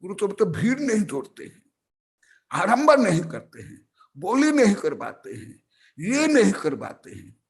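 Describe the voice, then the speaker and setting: A man delivers a slow, deliberate sermon and lectures his listeners with emphatic scolding. His voice sits high and swings widely in pitch, rising sharply on stressed words. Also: huge pitch swings. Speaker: Jain monk giving a scripture lecture.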